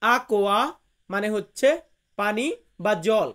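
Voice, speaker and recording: A man from Bangladesh, teaching a vocabulary lesson to viewers, slowly repeating each word and its meaning with emphasis. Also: sits high. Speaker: language teacher.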